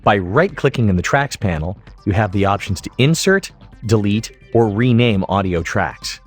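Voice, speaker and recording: A middle-aged man giving scripted tutorial narration in a deliberate, emphatic way. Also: on the low side, expressive, faint music behind. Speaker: software tutorial instructor.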